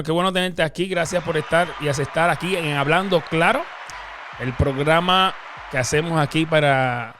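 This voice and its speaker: A man hosting an online Christian talk show, greeting viewers with energetic, emphatic plugs before turning to a relaxed interview. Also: a little high, slight background noise. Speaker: host. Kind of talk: enthusiastic show host, then relaxed interview.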